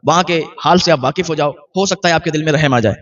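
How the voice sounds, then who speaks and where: A man voicing an earnest young man who gently urges forgiveness, recorded muffled from a distance. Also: a little high, quick pace, lightly acted. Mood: pleading. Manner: earnest, persuasive pleading. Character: earnest pleading young male traveler.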